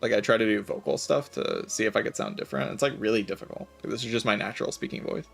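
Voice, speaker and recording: A man streaming a game, chatting casually in a relaxed, raspy voice with vocal fry, often saying "like". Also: lowish voice, fast talker, faint music behind. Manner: relaxed, laid-back, chatty with filler "like". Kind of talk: casual chat while gaming.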